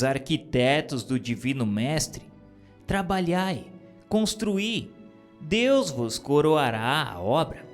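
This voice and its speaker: Male reader, slightly high voice, very slow solemn formal reading, faint music underneath. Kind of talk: solemn reading of a spiritist text.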